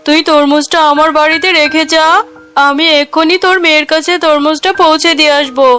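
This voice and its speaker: A woman's voice: sits high, level tone, a little fast, bright, forceful tone, faint music behind. A woman voicing a sly, greedy aunt tigress in a children's cartoon, coaxing and scheming. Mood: falsely concerned.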